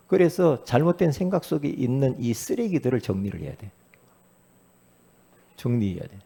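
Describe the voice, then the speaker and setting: A middle-aged man preaching as a pastor in a sermon, lively, often asking the congregation questions and acting out quoted voices. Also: mid-range voice, normal speed, creaky, husky.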